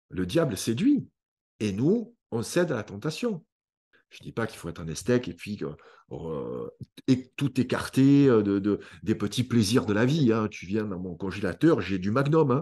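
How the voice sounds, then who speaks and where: A man with a dark, mellow tone and vocal fry swings very widely in pitch and loudness, leaving long, frequent pauses. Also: medium pitch for a man, fairly slow pace. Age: 50s. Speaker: author. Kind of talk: interview. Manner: halting, many fillers.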